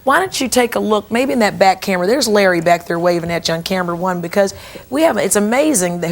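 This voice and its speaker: A woman hosting a television talk show, coaxing a guest to share his story before a studio audience. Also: medium pitch.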